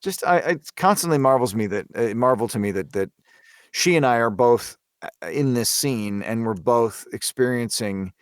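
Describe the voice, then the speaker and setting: A man talking casually and thoughtfully about voice acting, pausing to search for his words. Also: medium pitch, expressive, clear, resonant tone, no room sound, clean studio sound. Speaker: voice actor on a horror audio drama. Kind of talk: casual behind-the-scenes discussion.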